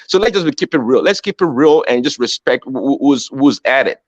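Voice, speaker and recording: A man speaking quickly and forcefully, repeating words as he pushes his argument. His audio is dry and muffled, like a lo-fi online call. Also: mid-range voice, lively intonation, dry recording. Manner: emphatic, repeats words when pressing a point. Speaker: panelist. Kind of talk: heated group debate.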